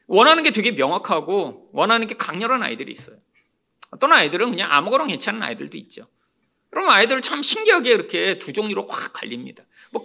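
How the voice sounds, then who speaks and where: Male pastor, sermon; high, gravelly voice that keeps calling out to the congregation. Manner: animated, often calls out to the congregation. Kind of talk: expository sermon.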